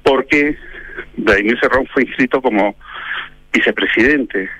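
Forceful, dry-voiced male political analyst. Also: mid-range voice, unhurried, dry recording, highs cut off. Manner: emphatic, argumentative, ironic asides. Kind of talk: radio interview commentary.

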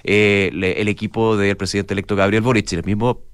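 A man's voice: fairly low pitch, level tone, a little fast, clean tone, no room sound. A man with a Chilean accent co-hosting a morning radio show, giving rambling news commentary with frequent restarts. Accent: Chilean Spanish. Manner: rambling, restarts often, thinks aloud.

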